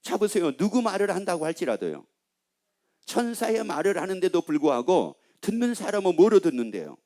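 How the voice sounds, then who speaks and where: Male pastor, sermon delivery, quizzes the congregation and teases them; high, animated voice. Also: brisk. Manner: asks the congregation questions and repeats answers back; teasing, playful asides.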